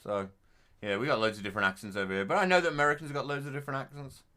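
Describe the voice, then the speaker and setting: A man's voice: medium pitch, racing, sharp tone. A young man with a Black Country accent gives casual, rambling let's-play commentary, joking between moments of play. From English Midlands. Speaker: game streamer.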